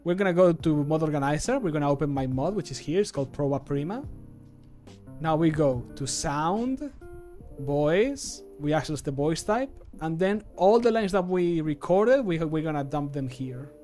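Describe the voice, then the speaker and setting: Man, thirties, casual streamer chat, slightly raised pitch, faint music in background. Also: animated, moderate pace, dark tone. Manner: chatty, informal. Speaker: streamer and game modder. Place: small room at home, indoors.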